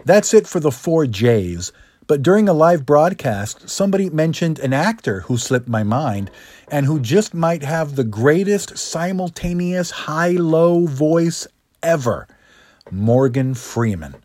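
A middle-aged man delivers a scripted instructional monologue in a practiced, slightly high register. His pitch swings widely through deliberate phrases and rhetorical asides, and the voice has a husky edge. The sound is very dry, with no room on it. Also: big pitch swings, darkish tone, no room sound. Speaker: public speaking coach, host.

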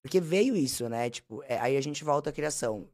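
Fast-talking blunt Brazilian woman. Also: rumbling low. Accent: Brazilian Portuguese. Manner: blunt, animated, slangy. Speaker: podcast guest. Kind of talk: casual storytelling.

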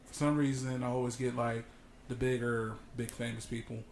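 A man's voice: medium pitch, level tone, normal speed, creaky, echoey room, a little hiss or hum. A young man chatting casually and telling a laid-back story, with lots of fillers. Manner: laid-back storytelling, many fillers, acts out quoted voices. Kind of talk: casual chat.

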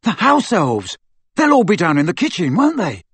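A man's voice: high-pitched, wildly swooping pitch, normal speed, fairly bright tone, husky, dry recording, voice pushed up, heavily acted. A man voicing a teenage boy in an audiobook story, a loyal friend with a blunt, earnest manner. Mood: serious, urgent.

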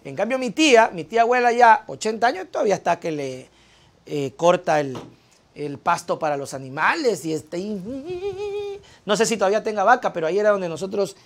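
A co-host chats casually. The talk rambles through a family story. The delivery is relaxed and anecdotal. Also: mid-range voice, a little fast. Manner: chatty, anecdotal. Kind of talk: casual chat.

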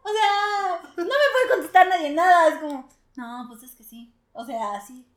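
Mexican woman, host, high voice, crude jokes, excitable, echoey room. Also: normal speed. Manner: crude, joking, excitable, laughs often. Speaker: podcast host. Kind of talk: casual chat.

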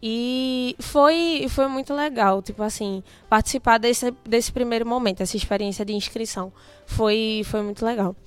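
A young woman guest in a casual interview, telling her story in an animated way and quoting her own thoughts. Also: fairly high pitch, moderate pace, clear, resonant tone, soft background music. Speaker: guest, youth delegate.

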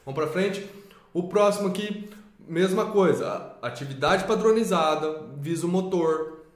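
Guy teaching a reading method, kinda high voice, roomy echo, walks through it step by step. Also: measured pace. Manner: explains step by step, asks rhetorical questions. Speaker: teacher presenting a literacy method. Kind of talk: explanatory online lesson.

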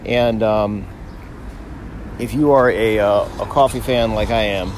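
A man's voice: lowish voice, steady tone, a little slow. A middle-aged American man from Miami hosting a casual, conversational podcast monologue outdoors. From Miami, United States. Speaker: podcast host, doctor. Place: outdoors by a busy city street. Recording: outdoor street noise, passing cars. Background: traffic and urban ambience.

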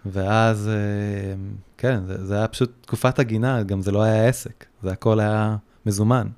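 A man in his thirties or forties, a podcast guest, talking casually and haltingly with many restarts. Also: on the low side, fairly even intonation, a little mellow, clean tone. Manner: hesitant, many restarts and fillers. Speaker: guest, surfboard repairer.

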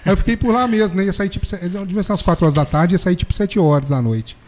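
A man telling an animated, slangy story in casual chat, peppering it with "velho". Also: high voice, fast. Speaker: football fan telling a story.

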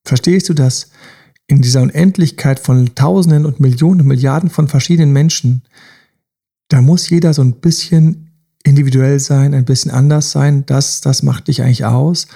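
A man's voice: medium pitch, steady tone, normal speed, vocal fry, dark tone, slightly rough. A man hosting a self-help podcast, coaching listeners directly with repeated rhetorical questions. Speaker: podcast host.

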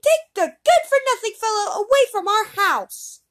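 A woman's voice: animated, measured pace, darkish tone. A woman voicing a shrieking frantic sexton's wife. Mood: hysterical. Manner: shrill, screaming.

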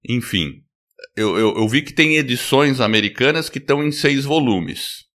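A man hosting a podcast in casual chat, talking in a lively way and laughing easily. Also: medium pitch. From United States. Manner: lively, animated delivery with quick laughs. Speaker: podcast host.

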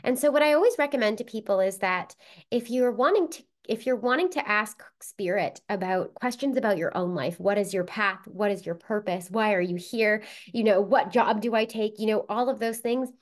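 A woman's voice: medium pitch, normal speed. A woman with a cold and a stuffed-up voice, explaining spiritual ideas in a casual, conversational way, often checking in with "right?". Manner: conversational, frequent "right?" and "you know" fillers. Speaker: spiritual teacher.

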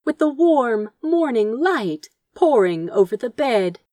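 A woman narrates a story in a high voice with hugely animated intonation. She takes an unhurried pace and reads with theatrical expression. The sound is dry and close. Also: no room sound. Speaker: audiobook reader of fan fiction. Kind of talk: dramatic scripted narration, fiction read aloud.

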